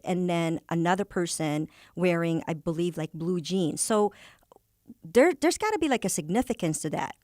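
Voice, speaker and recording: A woman's voice: lowish voice, no room sound, clean studio sound. A woman from the Philippines interviewing a guest over a video call, talking with many fillers and restarts. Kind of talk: casual interview.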